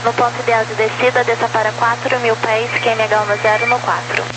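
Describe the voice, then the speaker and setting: A woman's fairly high, even voice comes over a noisy aviation radio. She is an air traffic controller rattling off procedural instructions. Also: brisk.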